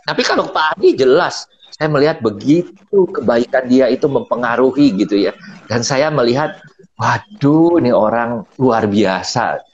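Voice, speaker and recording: A man's voice: medium pitch, normal speed, lo-fi sound, a little hiss or hum. A middle-aged man giving a casual motivational business talk, acting out quotes and laughing often. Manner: animated storyteller, acts out quotes, laughs often. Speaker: business speaker on a live stream. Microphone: phone mic.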